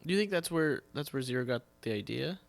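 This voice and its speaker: A man hosts a relaxed podcast interview. His voice sits at a middle pitch, and he keeps things conversational with quick questions and brief reactions. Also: gravelly, no echo. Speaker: podcast host. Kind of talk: casual podcast interview chat.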